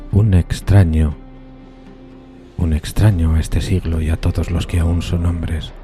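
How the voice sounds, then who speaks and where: A man playing a solitary, anguished undead outcast, narrating a gothic horror audio drama in a solemn, theatrical, deliberate way. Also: rumbling low. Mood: bitter, solemn.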